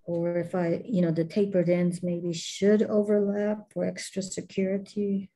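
Middle-aged woman, warm mellow tone, casual instructor thinking aloud as she shapes clay. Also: on the low side, level tone, measured pace. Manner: thinking aloud, many fillers and trailing phrases. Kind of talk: casual chat while demonstrating.

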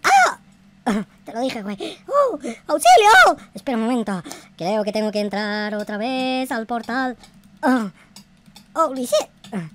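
A woman's voice: fairly high pitch, sing-song, unhurried, slight background noise. A woman hosting a gaming video, giving theatrical, slangy, profane Minecraft roleplay commentary full of exclamations. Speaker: gaming video creator and host.

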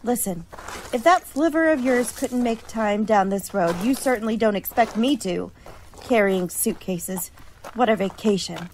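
A woman's voice: medium pitch, measured pace, a little hiss or hum, lightly acted. A woman playing a sarcastic, complaining young college student in a radio play. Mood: exasperated, complaining. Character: grumbling, wisecracking young female college student.

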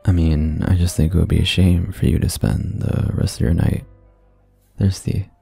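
Male actor for flirty club singer, ASMR roleplay. Deep, heavy fry, hesitant and self-mocking, music behind. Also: fairly even intonation, normal speed, heavily acted. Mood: gently flirty. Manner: hesitant, softly teasing, self-deprecating. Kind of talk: ASMR roleplay acting, casual flirty banter. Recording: close dry mic, music behind. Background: music in a staged club scene.

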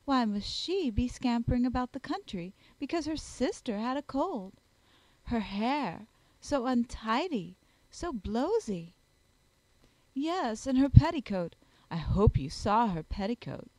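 Woman as a snobbish, disapproving society wife, animated. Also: a little high, unhurried, no room sound, rough recording. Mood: indignant.

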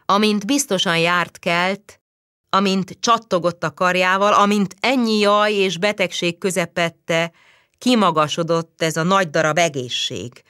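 A woman narrating a novel as an audiobook in measured storytelling. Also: fairly low pitch, a bit bright, smooth, no echo, studio quality. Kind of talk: scripted literary narration.

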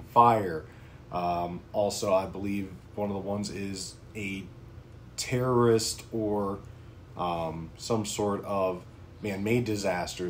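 Filming a casual talking-head vlog in his small home office, a thirtysomething prepping-channel host from Pennsylvania, United States, speaks informally in a lowish voice, full of ums. A little hiss or hum is audible.

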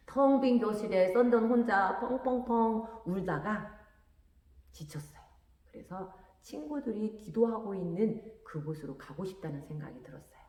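A woman preacher telling a story to children, acting out the characters' lines with lively expression. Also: mid-range voice. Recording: echoey room with long reverb.

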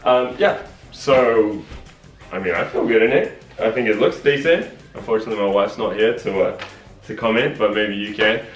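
Speaking at normal speed in an echoey living room, a vlogger in his thirties casually reviews clothing, his low voice relaxed and chatty with many fillers like um and uh. Faint music plays beneath him.

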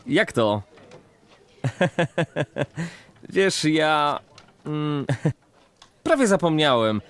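A man playing a chummy but fickle friend in an animated story, awkward and evasive. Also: on the high side, extremely slow, pauses often, full character voice.

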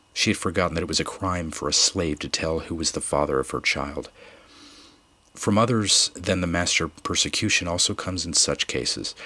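Audiobook reader, man, very low voice with a bright forceful edge, measured narration.

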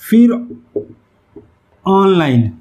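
High-pitched man teaching. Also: sing-song, very slow, warm tone. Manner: explanatory, repeats key phrases. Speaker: instructor. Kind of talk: instructional whiteboard lesson. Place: small indoor room with whiteboard. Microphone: lapel mic.

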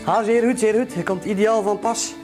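Over music, a middle-aged Flemish-accented ostrich farmer leads a tour through farm sheds and outdoor pens, his voice sitting high and his pace moderate. He explains things chattily, tagging sentences with lots of "hè" and "voilà."

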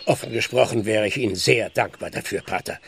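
An actor playing a weary, plain-spoken older village constable in a radio play, grumbling in a gravelly voice. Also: male voice, on the low side, a little fast, fairly bright tone, a little hiss or hum. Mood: worried. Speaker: actor in audio drama. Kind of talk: German radio play acting.

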